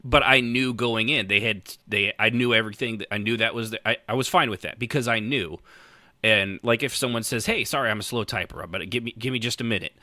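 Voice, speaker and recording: A man co-hosting a podcast in casual chat, halting and circling back over his words. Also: fairly low pitch, pushed and bright, no room sound. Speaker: podcast co-host.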